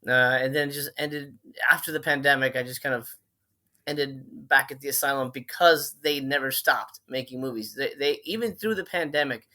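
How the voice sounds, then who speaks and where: A man's voice: medium pitch, normal speed, bright, forceful tone. A middle-aged man from Miami, a film director talking casually as an interview guest, chatty and full of fillers and restarts. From Miami, Florida.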